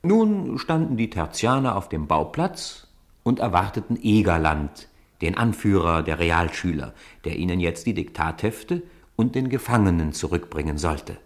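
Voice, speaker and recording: A male narrator with a low voice tells a scripted story for children. His delivery is expressive, with lively swings in pitch that suit an audio drama. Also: moderate pace.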